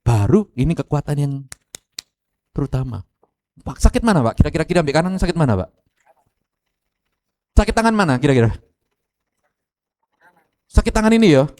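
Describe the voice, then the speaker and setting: A middle-aged man with an East Javanese accent preaching an animated sermon, speaking straight to the congregation. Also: a little high, normal speed, long pauses. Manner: animated, addresses congregation directly, mixes Javanese phrases. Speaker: pastor. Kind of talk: lively sermon with acted quotes.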